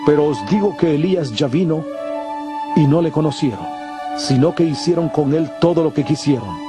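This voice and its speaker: Male actor, authoritative holy teacher, solemn declamation, slightly high male pitch, audio Bible drama, clear musical backing. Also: moderate pace, over music, lightly acted.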